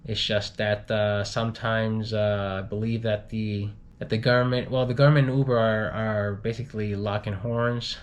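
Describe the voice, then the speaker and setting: A man reading news items informally with his own commentary, in a halting way, stumbling over and repeating words. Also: level tone. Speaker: news reader for an expat community channel. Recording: clearly noisy home recording with low rumble.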